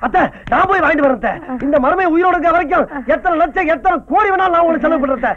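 Comic lead: a shrill, fast-talking, melodramatic village husband. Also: male voice. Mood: mock wailing. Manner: loud, melodramatic wailing and ranting. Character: comic grumbling village husband, fake-grieving son-in-law. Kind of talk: 1990s film comedy acting. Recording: dull lo-fi film soundtrack.

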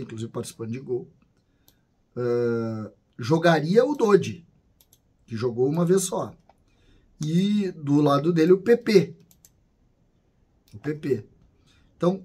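A man's voice: a little high, a little mellow, breathy edge. A man, talking casually to camera about a football team from a small home studio, listing names and asking himself questions. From southern Brazil. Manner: conversational, lists names, asks rhetorical questions. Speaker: football commentator. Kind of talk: casual solo commentary to camera.

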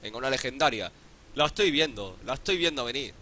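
Excitable swearing Spanish gamer man. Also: mid-range voice, quick pace, noisy background. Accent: Spain Spanish. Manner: excitable, swears a lot, pleads and exclaims. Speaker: gaming YouTuber. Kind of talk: casual gameplay commentary.

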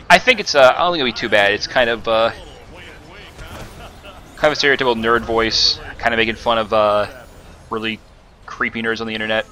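A gaming commentator talks casually over his own gameplay footage, rambling with lots of fillers and restarts. His voice is on the low side with a sharp tone.

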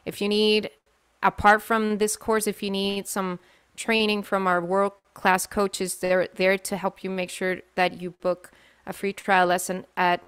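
A woman's voice: medium pitch, flat delivery, measured pace, fairly bright tone, clear, resonant tone, no room sound. Chatty young woman teaching singing. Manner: chatty, many fillers and restarts. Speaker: singing teacher hosting a webinar. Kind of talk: live webinar talk. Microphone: webcam mic on video call.

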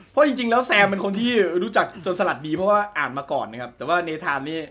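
Brief: male let's-play commentator, high and bouncy, excitable, explains everything as he plays. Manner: excitable, translates and explains game dialogue aloud. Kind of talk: casual gameplay commentary.

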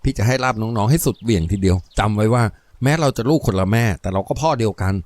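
A man voicing a gentle, charming elder brother in a deep, soft voice. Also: fast talker, no echo, close to an everyday voice. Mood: tender.

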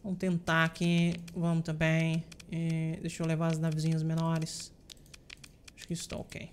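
A woman's voice: deep voice, completely flat delivery, moderate pace, slight background noise. Playful Brazilian woman gaming host. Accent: Brazilian Portuguese. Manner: playful, chatty, teasing the enemies out loud. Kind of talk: let's play commentary.

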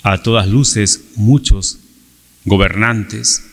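A middle-aged man preaching a Sunday homily from a church pulpit, measured and deliberate, with rhetorical questions. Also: lowish voice, vocal fry. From Peru. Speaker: priest. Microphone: pulpit microphone on a stand. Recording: long church reverb.

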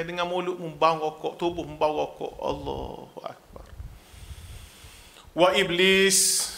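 A man with a Kelantanese accent giving a religious lecture, animated and mixing humour with exhortation. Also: a little high, gravelly. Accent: Kelantanese Malay. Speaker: religious preacher.

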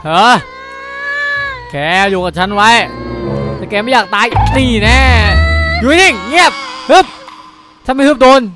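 A man's voice: very high voice, animated, unhurried, long pauses. A man voicing a menacing rich male villain in a game cartoon, threatening, scornful and commanding. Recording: loud background music.

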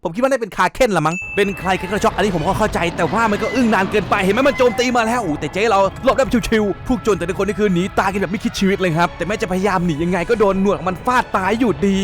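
Fast, high-voiced male recap narrator. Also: music in the background. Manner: excitable, crude and joking. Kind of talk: casual spoiler recap narration.

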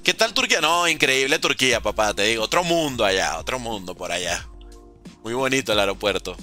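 Bright, lively streamer. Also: male voice, mid-range voice, a little fast. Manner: joking, reads out viewer questions and replies. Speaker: gaming streamer. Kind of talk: casual live-stream chat while playing. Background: faint background music.

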